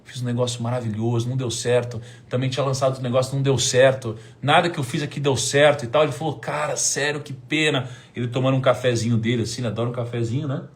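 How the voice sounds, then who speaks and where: A Brazilian man in his thirties telling a personal story on a live stream, acting out past conversations and swinging from hushed counting to loud excited outbursts. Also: mid-range voice, fast talker, hardly any pauses.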